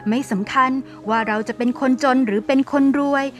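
A woman's voice: fairly high pitch, fairly even intonation, fairly quick, pitched below the performer's own voice, close to an everyday voice. A woman voicing a kind, earnest young son of a poor mother in a cartoon story. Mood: reflective. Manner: polite, earnest.

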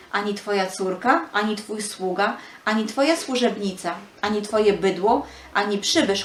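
A woman reading a scripted Bible narration for children. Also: medium pitch. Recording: roomy echo.

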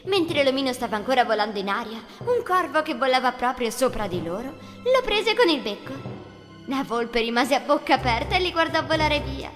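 A woman's voice: high-pitched, sing-song, fairly quick, fairly bright tone. A woman narrating a scripted children's fairy tale as storyteller. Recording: long reverb, music underneath. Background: music.

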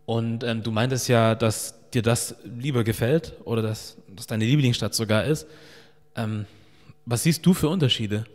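A man in his thirties hosting a podcast, speaking in a relaxed, reflective way into a stand mic, with fillers like "so" and "ähm". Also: medium pitch, moderate pace. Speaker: podcast host. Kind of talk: casual interview talk. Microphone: studio mic on a stand. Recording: long reverb of a bare room.

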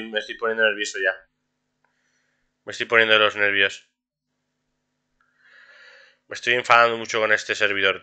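A man's voice: fairly low pitch, sharp tone, clear, resonant tone. A young man streaming a game live, complaining and swearing about his bad luck, repeating himself and ending lines with "tío". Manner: frustrated, complaining, swears a lot. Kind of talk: live gameplay commentary.

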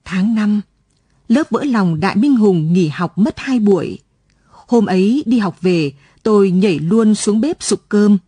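A woman radio reader telling a late-night story in a calm, measured way in a studio. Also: mid-range voice, breathy edge, dry recording.

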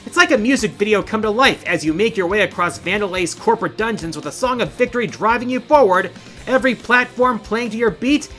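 Backed by music, the middle-aged host of a video game countdown delivers scripted lines in a showy, emphatic, playful style. His voice sits high and comes across pushed and bright.

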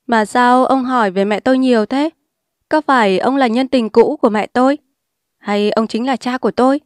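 A woman's voice: on the high side, normal speed, dry recording, studio quality, lightly acted. A woman voicing a defiant, streetwise young woman who speaks bluntly and scornfully. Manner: blunt, scornful and sharp-tongued.

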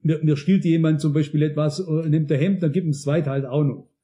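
Bright, high-voiced emphatic male preacher. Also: fairly even intonation, a little fast. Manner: emphatic, addresses the congregation directly with frequent questions. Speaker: pastor. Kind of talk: sermon.

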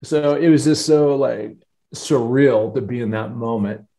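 A man in his fifties, a guest on a video-call interview, telling a long story in an animated, rambling way with many restarts. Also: medium pitch, measured pace. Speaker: interview guest, former football player. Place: home office with wood cabinet. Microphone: earbud headset on video call.

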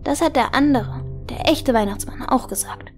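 A woman's voice: high voice, moderate pace, over music, natural voice. A woman playing a grumpy little girl who talks stubbornly and defiantly in an audio drama. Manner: stubborn, challenging.

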